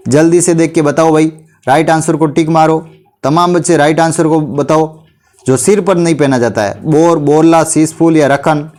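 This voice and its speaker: A man teaches a quiz revision class, his voice a touch higher than most men's. He has a sore throat and keeps coaxing the students to answer quickly. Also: darkish tone. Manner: repeats "bhai", urges students to answer quickly.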